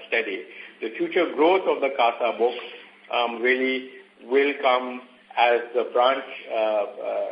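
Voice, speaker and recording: A man speaking as a bank executive presenting results on a call, in a measured, halting way with pauses mid-sentence. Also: medium pitch, slight background noise. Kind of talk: earnings call presentation, semi-scripted. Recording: echoey, muffled conference call audio.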